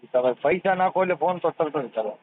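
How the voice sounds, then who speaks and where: In a casual phone chat, a man with a Kathiawadi Gujarati accent keeps pressing with teasing questions. He's a social worker on the call, speaking briskly in a fairly high, expressive voice. The audio is narrowband and tinny, without room sound.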